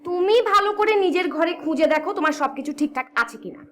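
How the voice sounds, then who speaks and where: Brief: exasperated scolding housewife, fast high delivery, room noise behind. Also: female voice, lively intonation, a bit bright. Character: exasperated woman running a chaotic household. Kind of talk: TV drama acting. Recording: echoey room with noticeable background noise.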